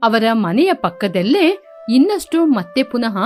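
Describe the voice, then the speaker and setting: A woman narrating a scripted story in a steady, plain way. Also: on the high side, a little slow, faint music behind.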